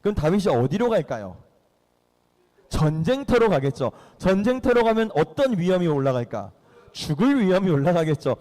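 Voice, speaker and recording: Guy teaching kids a bible lesson, keeps quizzing them, lively high voice, echoey church hall. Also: moderate pace. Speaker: youth pastor teaching children.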